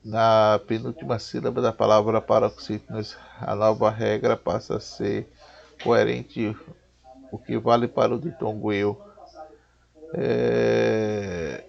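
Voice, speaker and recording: A Brazilian man reading a spelling lesson aloud slowly and haltingly, restarting words as he goes through long lists. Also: fairly low pitch, little pitch movement, gravelly, darkish tone. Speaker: teacher. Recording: dull lo-fi recording.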